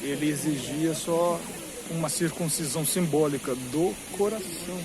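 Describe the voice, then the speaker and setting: A man's voice: fairly high pitch, normal speed. A man with a Brazilian Portuguese accent gives rambling, informal commentary as a vlogger, explaining at length and repeating himself for emphasis. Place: among a crowd in a queue outside a cathedral. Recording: busy crowd noise with hiss. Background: crowd chatter.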